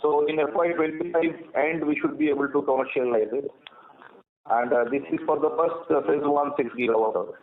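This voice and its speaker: A man's voice: fairly high pitch, steady tone, brisk. A man speaking as a senior company executive on an earnings call. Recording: narrow phone conference line.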